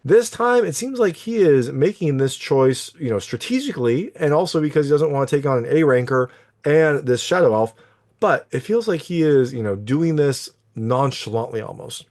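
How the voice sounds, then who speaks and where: A man's voice: on the high side, lively intonation, normal speed, a little mellow. Man recapping an anime, casual. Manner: conversational, full of fillers. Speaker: anime reviewer.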